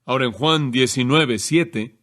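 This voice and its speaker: A man delivers an expository sermon, unpacking a text in a measured, teaching style and slowing down to stress key phrases. His pitch is medium and his tone fairly bright.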